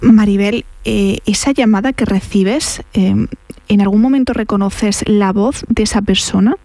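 Gentle woman interviewer, mellow tone. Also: mid-range voice, measured pace, no room sound. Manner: gentle, prompting with short questions. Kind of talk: interview questions.

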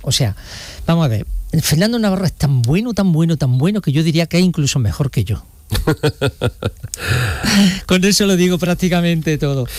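A man's voice: a little high, animated, normal speed, long pauses, darkish tone, no echo. A man giving a live regional report, joking and rambling with fillers. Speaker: regional correspondent.

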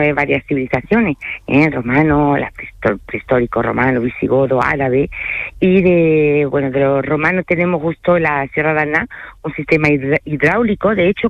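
A woman's voice: low voice, no echo. Chatty woman tour guide on lo-fi radio. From France. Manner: chatty, keeps adding "okay?" and filler hesitations. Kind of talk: casual radio interview.

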